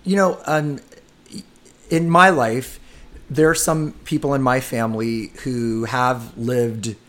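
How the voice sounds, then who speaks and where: A man in his fifties leads a relaxed podcast conversation. He talks in a chatty, easygoing way at a middle pitch. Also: slow. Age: 50s. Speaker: podcast host. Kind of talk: casual podcast chat.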